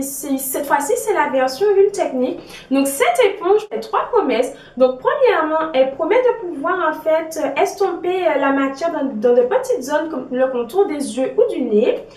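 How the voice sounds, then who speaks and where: High-voiced woman reviewing makeup, echoey. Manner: chatty, repeats "donc voilà" often. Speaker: beauty vlogger. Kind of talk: casual product review. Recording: echoey room, a bit far from mic.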